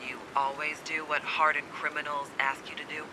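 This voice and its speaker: A man's voice: fairly high pitch, completely flat delivery, moderate pace, noisy background, natural voice. A man playing a wary, secretive survivor in a video game, terse, guarded and cynical, with blunt urgency. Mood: guarded, wry. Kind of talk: dramatic video game acting.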